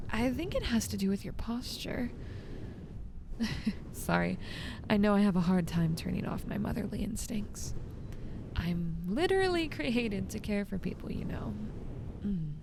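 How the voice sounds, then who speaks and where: A woman playing a gentle, motherly guardian angel in a soothing, patient ASMR roleplay, speaking softly and coaxingly. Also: medium pitch, gravelly, background noise. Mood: soothing, intimate. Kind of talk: soft-spoken ASMR roleplay.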